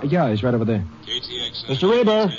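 A man's voice: medium pitch, sing-song, fairly quick, a crowd in the background, lightly acted. A man acting as a plainspoken lawman in a 1950s radio drama, reporting facts in a folksy, clipped way. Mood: matter-of-fact. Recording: dull old radio recording.

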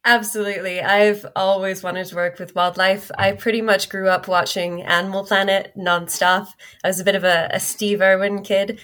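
A Scottish woman in her twenties, her accent tinged with American, answering interview questions as a researcher, thoughtful and pausing often. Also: on the low side, a bit bright. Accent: Scottish with some American influence. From Scotland. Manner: thoughtful, with frequent hesitations. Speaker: guest, wildlife researcher. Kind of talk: casual interview chat.

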